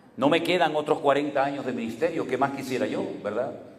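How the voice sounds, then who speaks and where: At a fairly quick pace, a man speaks amid noticeable background noise and audible room echo. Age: 60s. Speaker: pastor. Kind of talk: sermon.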